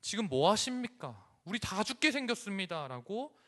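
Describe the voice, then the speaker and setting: A preacher voicing indignant frightened fishermen. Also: male voice, high voice, sing-song, normal speed, fairly bright tone, big-room sound, voice pushed up. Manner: indignant, reproachful pleading. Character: frightened angry fishermen disciples, men.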